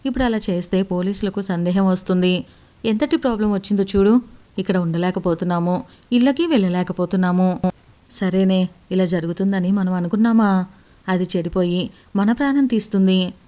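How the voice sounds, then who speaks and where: A woman's voice: mid-range voice, fairly quick, warm tone, natural voice. A woman narrator voicing a fed-up female coworker who complains bluntly. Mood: harsh.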